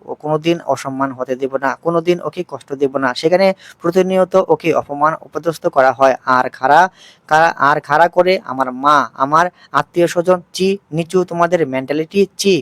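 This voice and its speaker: A man reading as an angry young husband, shouting and commanding, in a voice pitched a little high for a man. The sound is close and dry. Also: a little fast, no echo, close to an everyday voice. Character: angry young husband defending his wife.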